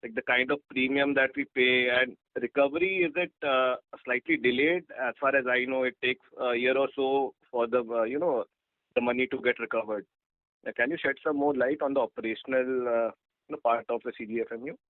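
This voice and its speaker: A man's voice: medium pitch, fairly even intonation, fairly quick, no echo. A man asking questions as an analyst on an earnings call, in a tentative, hesitant way. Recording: dry, muffled phone line.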